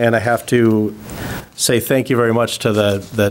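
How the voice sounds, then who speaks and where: A man with an American accent speaks in a normal speaking voice at a moderate pace, with medium pitch, fairly even intonation and light background noise. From Massachusetts. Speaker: school food service director. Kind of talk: public meeting presentation. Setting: school committee meeting room. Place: hall. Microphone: podium.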